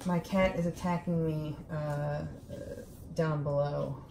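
A woman's voice: deep voice, fairly even intonation, slow, creaky, noisy background. A woman with a Baltimore accent casually narrates a craft demonstration, thinking aloud in a hesitant, self-deprecating way. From Baltimore, United States. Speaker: host demonstrating acrylic pouring.

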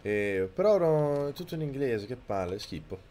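A man streaming a video game live, talking close to his microphone, yelling and swearing at the game and thanking viewers. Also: mid-range voice, big pitch swings, moderate pace, slight background noise. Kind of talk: live gameplay commentary. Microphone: microphone very close to the mouth.

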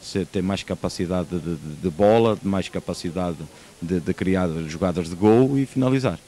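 Deep-voiced stumbling football player. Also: male voice, warm tone. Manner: halting, stumbling. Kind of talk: interview soundbite.

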